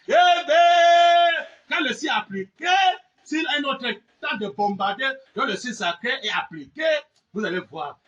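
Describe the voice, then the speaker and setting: Preacher guy, bright edgy voice, keeps yelling "eh ben", kinda far from the mic. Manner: swings from low muttering to shouted high exclamations; repeats phrases with frequent "hein?" and "eh ben". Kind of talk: fiery sermon.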